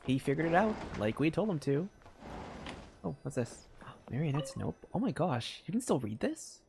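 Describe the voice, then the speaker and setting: Excitable man streaming a game. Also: on the high side, normal speed, creaky, background noise. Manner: excitable, reads game text aloud. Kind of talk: casual live-stream commentary. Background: faint game music.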